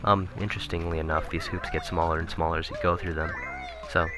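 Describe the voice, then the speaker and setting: A man commentating casually on a video game he is playing, rambling and correcting himself, his voice turning raspy. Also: sits low, flat delivery, quick pace. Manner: rambling, self-correcting, chuckling asides. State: voice getting raspy. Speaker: let's play commentator. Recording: game music playing behind.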